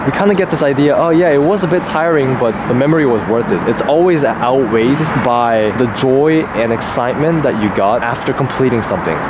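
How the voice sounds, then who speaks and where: A man's medium-pitched voice, fairly quick and lively in intonation, at very even loudness with hardly any pauses, amid noticeable background noise and audible room echo. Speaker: vlogger. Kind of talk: motivational vlog monologue. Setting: outdoors.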